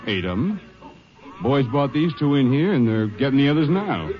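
Man as animated, aggrieved cattle buyer. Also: medium pitch, normal speed, a crowd in the background, close to an everyday voice. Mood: defensive. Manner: plain-spoken, folksy. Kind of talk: 1950s radio western acting. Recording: dull old radio recording with music.

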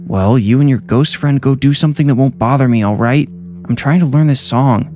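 A man's voice: mid-range voice, a little fast, a little mellow, pitched above the performer's own voice, close to an everyday voice. Man voicing a surly, curt teenage boy. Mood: irritated. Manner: curt, irritated. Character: surly, dismissive fifteen-year-old brother.

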